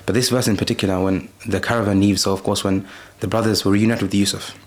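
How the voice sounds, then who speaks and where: Brief: lower-voiced man, podcast guest, rapid flat delivery moving between chanted recitation and plain explanation. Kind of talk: recitation and casual religious talk.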